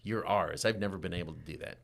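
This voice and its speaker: A man's voice: low-pitched, fast talker, vocal fry, noisy background. A man hosting a news talk segment, joking and laughing often. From Idaho, USA. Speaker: news show host. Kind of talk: playful studio chat.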